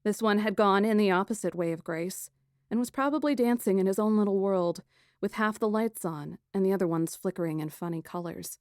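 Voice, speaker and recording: A woman narrating a first-person fantasy audiobook in an expressive, dramatic and deliberate storytelling style. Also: medium pitch, no echo, clean studio sound.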